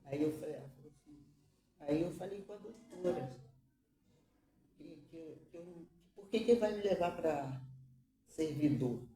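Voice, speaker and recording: A mother giving an emotional religious testimony, halting and repeating her words, tearful at times. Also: lowish voice, warm tone, echoey room, distant mic, faint music behind.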